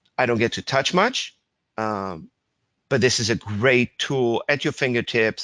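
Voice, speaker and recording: A man with a non-native accent speaks at a fairly slow pace and medium pitch in a bright, sharp tone with ordinary pitch variation, recorded dry and close with no echo against a quiet background. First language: not English. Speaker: online editor and colorist. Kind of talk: software tutorial webinar. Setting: online webinar. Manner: many fillers (um, uh).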